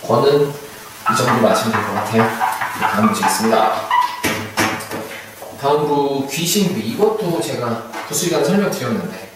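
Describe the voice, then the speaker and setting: A man's voice: mid-range voice, lively intonation, moderate pace, long pauses. A male instructor giving a recorded lecture, chatty, who keeps asking his students questions and then answering them himself. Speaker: hanja certification instructor. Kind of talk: online video lecture. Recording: echoey room, mic far off, faint hiss.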